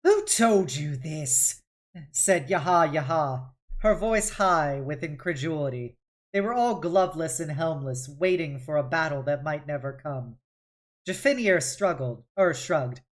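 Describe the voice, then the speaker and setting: Low-voiced woman reading a novel aloud. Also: animated, a little slow. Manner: dramatic, with occasional stumbles and self-corrections. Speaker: streamer hosting a read-along. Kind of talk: expressive audiobook-style novel reading.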